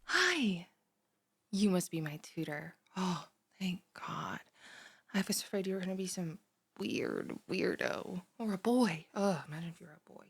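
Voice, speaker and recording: A woman's voice: on the low side, lively intonation, a little slow, no echo, exaggerated voice. A young woman playing a scatterbrained, chatty, bubbly student in a one-sided audio roleplay, rambling like a valley girl straight at the listener. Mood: relieved, gushing. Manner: rambling valley-girl chatter full of "like", sighs and breathy asides. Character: chatty, scatterbrained, over-caffeinated bimbo female college student, bubbly and blunt.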